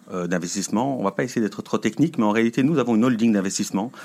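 Talking at a very fast pace, the man has a fairly low pitch. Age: 40s. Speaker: investor, former lawyer. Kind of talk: radio interview. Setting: radio studio.

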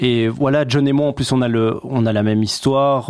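Talking at a fairly quick pace with fairly even intonation, the man has an unremarkable speaking voice. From Belgium, Brussels. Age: 30s. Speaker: restaurant owner and former footballer. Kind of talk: radio interview. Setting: studio.

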